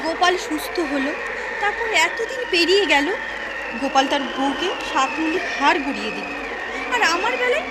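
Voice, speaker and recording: A woman voicing a demanding, sulky goddess wife in an animated comedy, complaining in a petulant, theatrical way. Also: extremely high pitch, moderate pace, very noisy. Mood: sulky complaint. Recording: loud background music.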